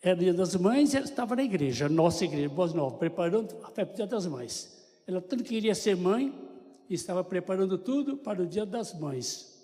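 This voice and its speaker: A man's voice: high-pitched, lively intonation, brisk, mellow. An older man with a Brazilian Portuguese accent, giving a chatty church testimony to a congregation with joking asides. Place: church sanctuary. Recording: long church reverb.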